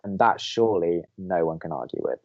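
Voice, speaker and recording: A man's voice: low-pitched, expressive, fairly quick, dull audio. A man playing a cynical, exasperated young campus radio co-host in an audio drama, bantering with a sardonic, argumentative edge.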